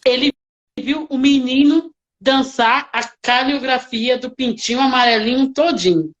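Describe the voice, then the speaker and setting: High-voiced animated woman telling stories. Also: unhurried, dull audio. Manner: animated, lively reenactments, emotional. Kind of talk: casual interview storytelling.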